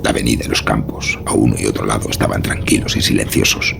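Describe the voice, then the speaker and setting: A man narrating a scripted horror story in a measured, suspenseful, dramatic way. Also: rumbling low, fairly even intonation, creaky, noisy background.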